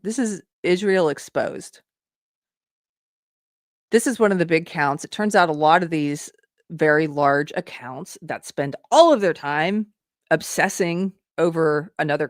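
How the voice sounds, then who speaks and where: A woman with a low-sitting voice hosts a casual commentary show, thinking aloud with restarts and reading posts out loud as she reacts to them. The studio-quality recording has no room sound.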